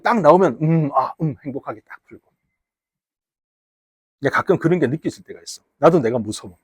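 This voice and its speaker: A man from the Gyeongsang region teaching high school English in a classroom, chatty and teasing, bantering with his students. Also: lively intonation, fairly quick, breathy edge, no echo. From Gyeongsang region, Korea. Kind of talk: casual classroom lecture. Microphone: wearable mic.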